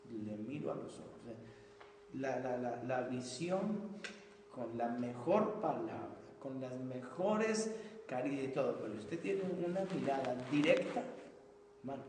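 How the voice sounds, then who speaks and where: A man speaking as a pastor, his fairly high voice ringing through a big reverberant church hall. He sounds distant from the mic, with faint noise underneath. His delivery is earnest and chatty. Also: mellow. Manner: earnest, conversational, calls listeners brother. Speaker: pastor teaching Sunday school teachers. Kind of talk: informal church teaching talk.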